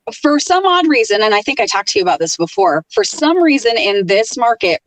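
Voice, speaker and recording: A middle-aged woman who works in radio, chatting casually and telling stories in an animated way as a podcast guest. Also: a little high, a little fast, no room sound, recorded from a distance, rough recording. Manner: animated storyteller, lively tone. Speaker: radio programmer and on-air host, podcast guest. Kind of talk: casual interview chat.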